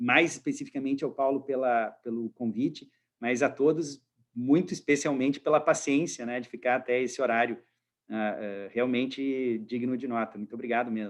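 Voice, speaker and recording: A man speaks with a Rio Grande do Sul accent at a medium pitch. His pace is moderate and his intonation fairly even. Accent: gaúcho. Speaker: law professor, lecturer. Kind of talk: closing remarks of online lecture. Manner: fluid.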